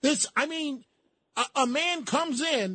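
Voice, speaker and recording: With an American accent and an animated tone, a man speaks against a quiet background. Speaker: talk radio host. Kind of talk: call-in talk radio. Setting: radio studio. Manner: animated, worked up.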